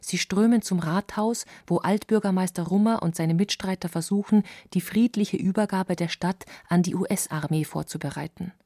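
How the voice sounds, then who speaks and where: A woman narrating a historical documentary in a measured, sober scripted voice. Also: fairly low pitch, dark tone, no echo, studio quality.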